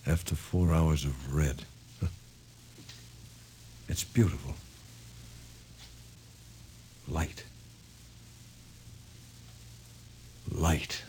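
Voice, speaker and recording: An actor playing an uneasy but dogged newspaper reporter in a 1950s radio drama, blunt and nervous. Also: male voice, very deep voice, warm tone, exaggerated voice. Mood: awed. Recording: noisy old 1950s radio recording.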